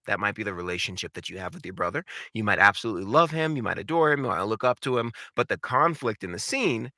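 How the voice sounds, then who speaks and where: A man's voice: on the low side, lively intonation, quick pace, pushed and bright, no echo, clean studio sound. A man giving an instructional talk as a voice acting coach, direct and emphatic, repeating phrases to drive points home. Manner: emphatic, acts out short example lines.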